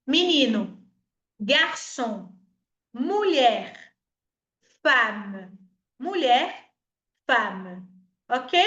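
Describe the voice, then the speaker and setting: A woman from Espírito Santo with a Brazilian Portuguese accent, teaching a French lesson, explaining patiently, modeling words slowly and urging viewers to repeat. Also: high voice, bright, forceful tone, roomy sound, highs cut off. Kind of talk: online language lesson.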